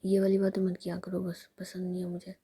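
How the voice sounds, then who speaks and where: A woman's voice: fairly low pitch, completely flat delivery, brisk, warm tone, husky. A woman voicing a sulky, teasing young woman, smug and playful in a whispered role-play.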